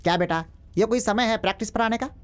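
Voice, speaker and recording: An actor dubbing a fussy college drama teacher who gives bossy instructions while directing a play. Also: male voice, high-pitched, fast, clean tone, natural voice. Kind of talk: dubbed film acting.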